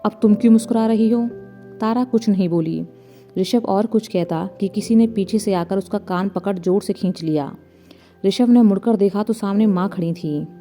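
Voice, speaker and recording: Lady reading out a love story, calm and even, mellow warm voice, quiet music under it. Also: mid-range voice, normal speed. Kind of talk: scripted storybook narration. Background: faint background music.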